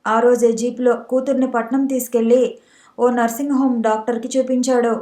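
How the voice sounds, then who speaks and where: A woman's voice: a little high, flat delivery, fairly quick, dark tone. A woman narrating an audiobook story steadily and evenly, in a roomy echo.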